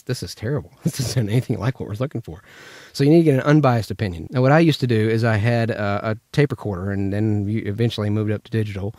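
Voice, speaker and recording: A man's voice: fairly low pitch, darkish tone, no room sound, studio quality. A man from Memphis in the United States, chatting informally as he teaches voice acting through anecdotes. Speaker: voice actor teaching character voices. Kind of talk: casual instructional chat.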